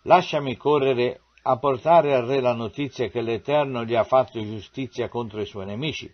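A man's voice: medium pitch, moderate pace, lightly acted. An eager young messenger, read by a man, pleading and urgent. His voice rises slightly above the reader's own. The recording sounds dull and lo-fi.

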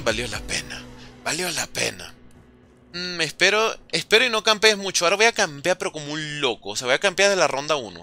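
A young man streaming a game, chatting casually with viewers and calling out their names in an excitable, slangy way. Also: high-pitched. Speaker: gaming livestreamer. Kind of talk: casual livestream chat while playing, reading chat aloud.

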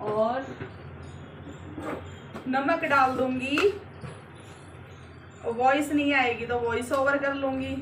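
A woman's voice: high-pitched, steady tone, slow, pauses often, reverberant, background noise. A woman chatting casually to her viewers while she cooks at home, talking through each step with many fillers. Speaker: vlogger. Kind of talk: casual cooking vlog narration. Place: home kitchen and rooftop.

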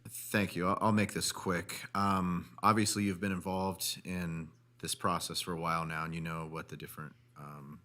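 Deep, forceful-toned man at a meeting. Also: little pitch movement, moderate pace, few pauses. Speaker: planning commissioner. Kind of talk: informal public meeting remarks and questions. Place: public meeting room.

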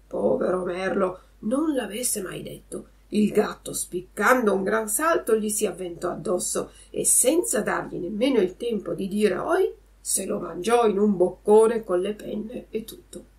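A woman narrating a children's classic in a clear, measured read-aloud style as a podcast host. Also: mid-range voice, darkish tone.

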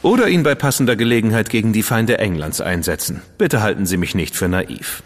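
An actor playing a confident, skeptical Victorian gentleman agent who asks pointed questions. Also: fairly low pitch, expressive, brisk, long reverb tail. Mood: defensive. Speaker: agent of the crown. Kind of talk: studio radio drama acting.

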